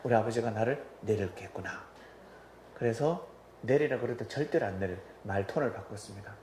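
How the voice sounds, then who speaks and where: A man's voice: fairly low pitch, a little fast, slight background noise. A male pastor preaching a sermon in a church, telling stories animatedly and acting out voices. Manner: animated storytelling, acts out quoted voices. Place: church sanctuary. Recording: roomy hall with faint ambience.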